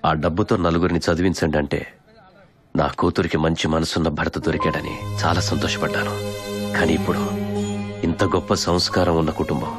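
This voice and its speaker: Proud grave father of the bride, male actor: deep voice, solemn film delivery, music swelling loudly. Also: fairly even intonation, brisk, natural voice. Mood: moved, proud. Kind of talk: Telugu film drama dialogue.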